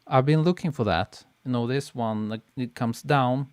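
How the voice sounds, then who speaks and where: Speaking into a boom-arm podcast mic with no audible room, this photographer runs a relaxed live stream, laughing easily as he chats and reads out comments from viewers. His male voice is smooth and medium in pitch.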